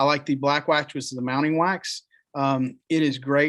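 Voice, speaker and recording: An unremarkable speaking voice from a man, fairly high-pitched for a man, at a fairly quick pace with fairly even intonation over a quiet background. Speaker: dental technician presenter. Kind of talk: webinar presentation. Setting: live webinar. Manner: filler-heavy, many ums.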